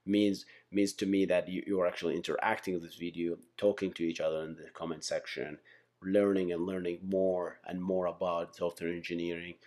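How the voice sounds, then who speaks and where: Speaking a little fast in a low-pitched, slightly mellow voice with flat delivery, a man explains concepts informally. He's a software engineering instructor and channel host who keeps it conversational, often tossing in "right?", "okay?", and "guys".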